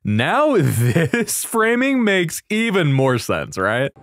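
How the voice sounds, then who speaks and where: A young man giving casual, excitable reaction commentary on game videos, slangy and sweary. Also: a little high, takes it slowly, dry recording. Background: faint music.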